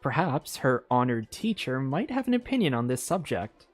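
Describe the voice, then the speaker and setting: Over music, a streamer with a mid-range, very animated voice reads a game story aloud at normal speed. It's informal livestream chat blended with storybook narration, full of self-commentary, chatty asides, stumbles and repeated words.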